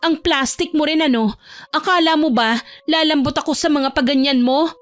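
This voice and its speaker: Woman acting out a bitter lil sister, high whiny voice, super dramatic n indignant, music behind. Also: normal speed, dry recording, close to an everyday voice. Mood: scornful. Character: angry, bitter, vengeful young woman, the younger sister. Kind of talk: audio drama storytelling.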